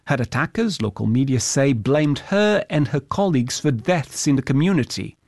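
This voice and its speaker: A man narrating a scripted news report in a measured, serious delivery. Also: medium pitch, animated, creaky, a little mellow, dry recording.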